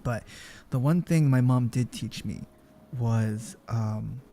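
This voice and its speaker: A man hosting a casual stream, chatting in an animated way and laughing often. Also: medium pitch, slow, creaky, a little hiss or hum. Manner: animated, laughs often, usually shouts into mic. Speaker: streamer host. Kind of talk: casual chat while crocheting.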